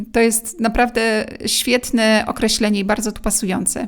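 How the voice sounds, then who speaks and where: A woman with an unremarkable speaking voice talks at fairly high pitch with fairly even intonation. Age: 30s. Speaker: podcast host. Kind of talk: solo reflective monologue.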